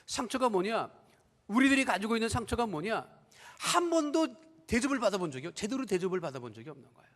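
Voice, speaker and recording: A man's voice: high-pitched, sing-song, fast talker, fairly bright tone, in a large hall. A man preaching a sermon as pastor, telling a story and acting out the voices of the people in it. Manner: storytelling, acts out quoted family members. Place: church sanctuary.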